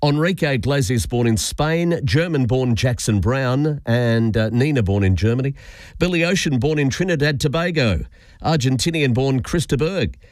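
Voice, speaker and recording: A man's voice: mid-range voice, expressive, moderate pace, no echo, clean studio sound. A man with an Australian accent hosting morning radio, talking casually with plenty of hesitations. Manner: hesitant, many fillers. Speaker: radio host. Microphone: studio microphone.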